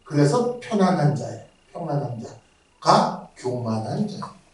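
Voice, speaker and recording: Male pastor, lively sermon delivery, heard distantly in a very echoey sanctuary. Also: fairly high pitch, measured pace, a little hiss or hum. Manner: animated, acts out mocking voices. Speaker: guest pastor. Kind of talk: revival meeting sermon. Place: church sanctuary. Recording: very echoey church from afar.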